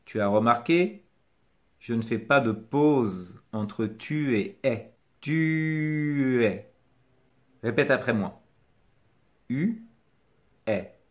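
Male French-accented teacher, mid-pitched, very slow and patient, drills words for repetition. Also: expressive. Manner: patient, repeats words slowly for the learner. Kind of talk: slow, clearly articulated lesson.

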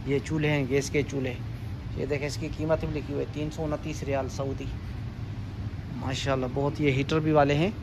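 A man's voice: medium pitch, little pitch movement, fairly quick. A man walking through a supermarket with his phone, leisurely pointing out the goods and reading their prices. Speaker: vlogger. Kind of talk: walking store tour vlog. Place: large indoor supermarket. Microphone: handheld phone camera. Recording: noisy store ambience.

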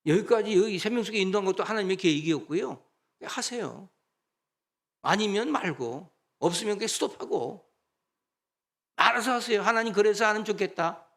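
Animated Korean pastor preaching. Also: male voice, sits high, normal speed. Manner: animated, conversational preaching with rhetorical questions. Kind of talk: sermon. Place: church sanctuary.

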